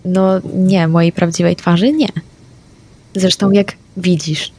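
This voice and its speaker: A woman playing a tabletop game, speaking her character's lines in a brisk, matter-of-fact way. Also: on the low side, fairly even intonation, a little mellow. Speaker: player.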